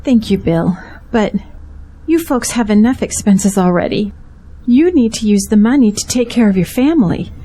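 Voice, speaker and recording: A woman's voice: medium pitch, lively intonation, moderate pace, mellow, a little hiss or hum, close to an everyday voice. A woman acting a distressed, grateful pastor's wife in a Christian audio drama. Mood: touched, grateful. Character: distressed, grateful pastor's wife fearing for her jailed husband.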